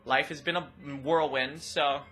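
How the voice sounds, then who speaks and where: A young trans woman with a rather deep voice, talking expressively and loudly in a casual personal vlog. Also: measured pace, a little hiss or hum. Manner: expressive, loud, laughs often. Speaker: vlogger.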